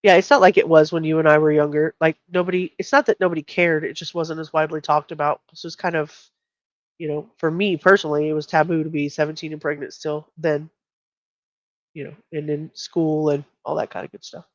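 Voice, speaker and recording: A woman's voice: deep voice, little pitch movement, a little fast, dry recording, dull audio. A middle-aged woman, hosting a casual true crime live stream, reading out and commenting in a conversational, blunt way.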